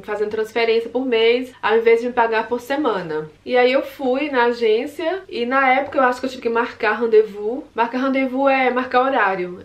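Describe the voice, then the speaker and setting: A woman's voice: on the high side, highs cut off. A young woman from Brazil casually recounting her mishaps abroad in a vlog, acting out her own reactions in quotes. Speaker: vlogger.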